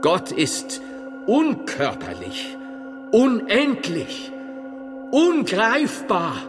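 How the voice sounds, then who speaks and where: Grave, sweeping-voiced medieval monk philosopher. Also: male voice, high-pitched, wildly swooping pitch, long reverb tail, music in the background, exaggerated voice. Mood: solemn, pondering. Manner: declamatory, deliberate, scholarly, drawn-out emphatic phrases. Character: medieval monk philosopher, grave, devout, curious, self-assured. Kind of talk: theatrical German dialogue drama.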